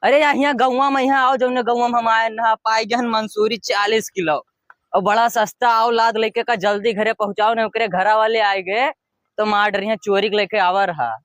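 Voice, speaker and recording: A man's voice: high voice, steady tone, normal speed, fairly bright tone, no echo, studio quality. A man playing a boastful, gullible young village grain trader with an Awadhi accent in a rustic comedy sketch. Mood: excited, bragging. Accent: Awadhi, eastern Uttar Pradesh. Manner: boastful, exclamatory.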